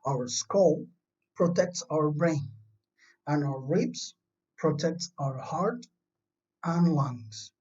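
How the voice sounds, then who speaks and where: Recorded at home with distant, dull, lo-fi sound, this Chilean primary science teacher delivers a remote lesson for young kids. The voice is slow, mellow and medium-pitched with lively intonation, explaining simply and patiently while reassuring pupils.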